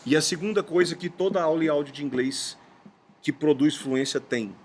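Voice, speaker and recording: A middle-aged man from Brazil, a podcast host and English teacher, explaining in a casual chat and stretching key words slowly for emphasis. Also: a little high. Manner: explanatory, storytelling with emphatic slow stresses.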